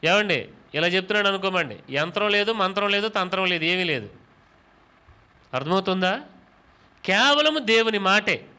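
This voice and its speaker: A pastor preaching a sermon in a high, bright voice, firing questions at the congregation. He repeats words for emphasis and slips English phrases into his talk. His tone is forceful and tense. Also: expressive, moderate pace, pauses often, clean tone.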